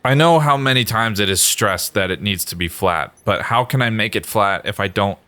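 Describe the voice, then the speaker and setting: A man's voice: on the low side, moderate pace, sharp tone. A man giving casual, profane let's-play commentary, exasperated as he plays. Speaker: gamer playing through a video game. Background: game music.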